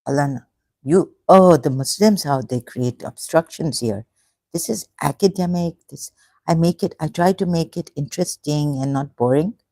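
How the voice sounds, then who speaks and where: Gravelly, mellow tone, dry close sound, halting emotional solo livestream talk. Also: mid-range voice, no room sound. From Pakistan, grew up in Karachi. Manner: halting and emotional, many broken-off phrases. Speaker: online religion commentator.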